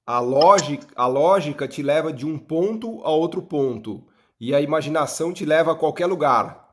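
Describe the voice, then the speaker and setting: Man hosting, quick to chime in. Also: on the high side, expressive, slight background noise. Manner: engaged, interjects with short affirmations. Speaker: podcast host. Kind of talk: casual interview.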